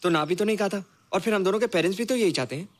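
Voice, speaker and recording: A man's voice: high voice, racing, soft background music, lightly acted. An actor playing a brash, jealous young man who taunts and slips English into his lines. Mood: taunting. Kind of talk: Hindi film dialogue.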